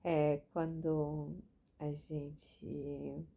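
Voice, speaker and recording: Woman, young adult, chatty and rambling, gravelly, husky. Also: sits low, level tone, very slow, mellow. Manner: chatty and anecdotal, with many fillers and restarts. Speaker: book reading vlogger. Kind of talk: casual spoken reflection.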